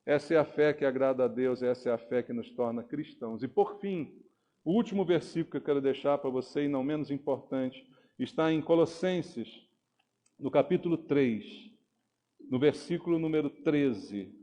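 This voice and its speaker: A man preaching a sermon in Brazilian Portuguese, emphatic, with sharp rises and falls for stress. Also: medium pitch, moderate pace. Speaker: pastor.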